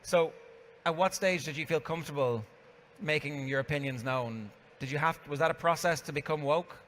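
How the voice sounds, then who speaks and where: A man's voice: on the high side, normal speed, a bit bright. A man interviews a guest on a conference stage, talking his way into each question. His voice rings with long hall reverb, and a faint background noise sits underneath. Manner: conversational, builds up to his questions. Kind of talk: onstage conversational interview.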